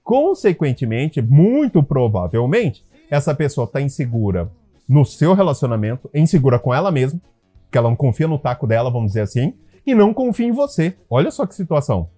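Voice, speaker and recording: A man with a mellow, warm voice tells stories in a chatty monologue, his pitch leaping around as he acts out other people's lines. He throws in frequent tag questions and addresses the listener directly. Faint music plays underneath. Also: a little fast. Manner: lively, acts out quoted voices with big pitch jumps; conversational, many tag questions and fillers. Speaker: relationship and couples wellness speaker. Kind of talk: casual storytelling monologue to listeners.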